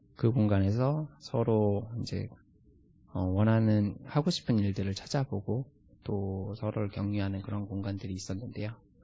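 Somewhat breathy and fairly low, a man's voice moves at a fairly slow pace with fairly even intonation. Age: 30s. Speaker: church member giving sermon. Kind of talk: sermon. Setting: church. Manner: confessional, reflective.

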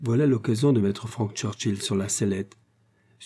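A natural reading voice carries the text. Its pitch moves up and down in an ordinary way.

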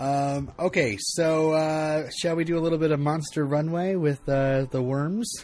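Delivered at a fairly slow pace with hardly any pauses, a man's fairly high voice holds a very even loudness. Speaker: podcast host. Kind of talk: casual comedic podcast banter.

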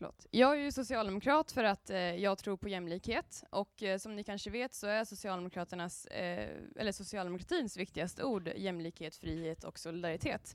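With a plain, everyday voice, a woman speaks at a fairly quick pace and medium pitch, with ordinary pitch variation, hardly any pauses and a dry, close sound with no echo. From Åtvidaberg, Östergötland, Sweden. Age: 20s. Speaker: politician and student teacher. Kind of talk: panel discussion. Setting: stage with audience in a church.

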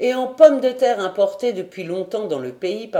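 The intonation rises and falls in a lively way. It is an unforced reading voice.

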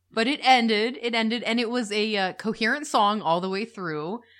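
A woman's normal speaking voice with an American accent, fairly high in pitch, with lively intonation, in a very clean recording with a silent background. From United States. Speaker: podcast co-host. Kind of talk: casual chat.

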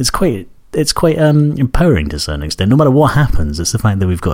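A man speaks very fast with lively intonation. His voice is somewhat breathy. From Newcastle upon Tyne, then Edinburgh, Scotland. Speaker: podcaster. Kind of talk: casual solo podcast monologue. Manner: rambling, self-deprecating; hesitant, many fillers.

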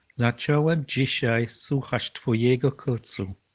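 A man with a medium pitch and a somewhat breathy voice speaks at a very slow pace, with a dry, close sound and no echo. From England. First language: English (speaking Polish). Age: 60s. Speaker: language learner. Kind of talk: recorded message. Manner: halting.

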